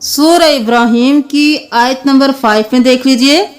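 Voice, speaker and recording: A woman teaching tajweed, chanting Quranic words slowly and spelling them letter by letter with their vowel marks, with an Urdu-speaking South Asian accent. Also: high voice, faint music behind. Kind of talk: tajweed lesson, slow chanted recitation between quick explanations.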